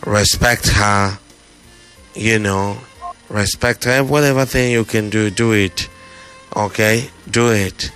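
A man's voice: lowish voice, slow, a bit bright, soft background music. A man with a Nigerian accent hosting a phone-in, giving advice in a firm, instructive way with plenty of repetition. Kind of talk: conversational advice to a caller.

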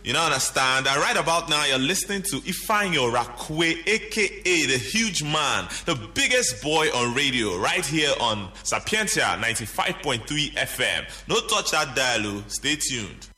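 A man with a Nigerian Pidgin accent delivering a hyped radio station promo, loud and energetic. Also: a little high, normal speed, few pauses, soft background music. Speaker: radio presenter.

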